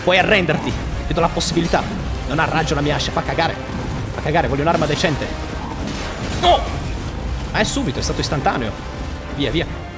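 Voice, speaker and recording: Excitable man yelling over game music. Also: on the high side, brisk, pauses often. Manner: excitable, shouting at the boss, boastful joking. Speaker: gaming streamer. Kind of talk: live gameplay commentary. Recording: loud game music behind.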